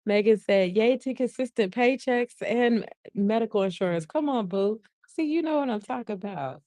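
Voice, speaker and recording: Woman, chatting on a livestream, keeping her voice down in a co-working space, mellow lowish voice, dry close sound. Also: expressive, moderate pace, dry recording. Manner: chatty, reads viewer comments aloud, laughs often; speaking softly to keep her voice down. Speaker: livestream host. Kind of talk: casual livestream chat with viewers. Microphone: earphones mic.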